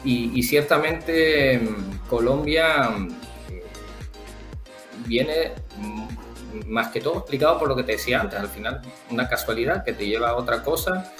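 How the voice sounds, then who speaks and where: A man from the Canary Islands with a Canarian Spanish accent, a football agent answering interview questions in a thoughtful, halting way with many fillers. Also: mid-range voice, lively intonation. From Canary Islands, Spain. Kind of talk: interview guest, casual conversation. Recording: roomy echo with faint background music.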